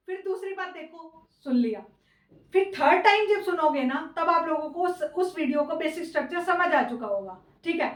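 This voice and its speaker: A woman exam-coaching teacher, lecturing her students casually, scolding yet affectionate and calling them "beta". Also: high-pitched. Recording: echoey room, voice from far.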